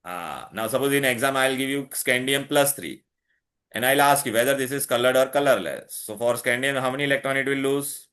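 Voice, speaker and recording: A man with a South Asian accent tutors at a very brisk pace. He mixes English with Hindi, repeats key points and keeps firing short questions to check understanding. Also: mid-range voice, fairly bright tone. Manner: repetitive, quizzing, checking with questions. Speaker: chemistry tutor. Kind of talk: interactive one-on-one lesson, mixing English and Hindi.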